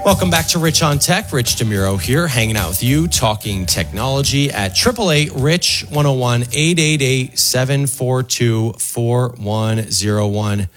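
A man hosting a call-in radio tech show, quick and chatty as he takes calls. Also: mid-range voice, lively intonation, fairly bright tone, faint music behind.

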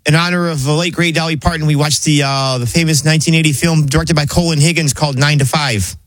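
A man on a radio show who rambles through his stories, full of ums and restarts. His voice sits a little high for a man and sounds close and dry in the studio. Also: fairly even intonation, fast talker, no room sound, poor audio. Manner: rambling, filler-heavy storytelling. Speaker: show regular, co-host. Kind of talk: casual radio chat.

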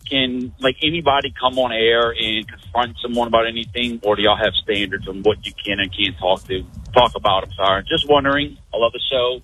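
Bright-toned voicemail caller. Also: male voice, medium pitch, rough recording.

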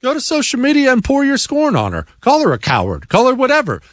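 A man's voice: extremely high pitch, wildly swooping pitch, quick pace, no room sound, clean studio sound. A man hosting a talk show, answering listener emails in a blunt, emphatic, combative monologue. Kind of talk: opinionated talk radio monologue.

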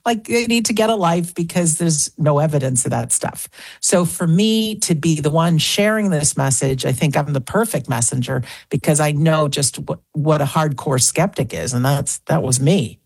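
A woman's voice: low voice, animated, normal speed, a little mellow, slightly rough, no room sound. A woman in her sixties, a guest on a radio interview, talking earnestly and piling up examples. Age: 60s. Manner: earnest, talks in lists and repeats phrases. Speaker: guest author.

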